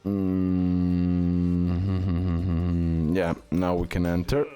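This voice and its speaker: A man's voice: low-pitched, flat delivery, extremely slow, dark tone, faint music behind. A man giving casual, unscripted gameplay commentary as a video host, often repeating short phrases over and over.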